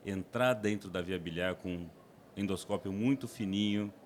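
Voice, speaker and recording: Low-pitched man, faint room ambience, podcast guest, from São Paulo state, restarts and fillers. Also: normal speed, a little hiss or hum. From interior of São Paulo state, Brazil. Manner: explains plainly with frequent restarts and fillers. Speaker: endoscopist guest. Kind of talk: podcast interview.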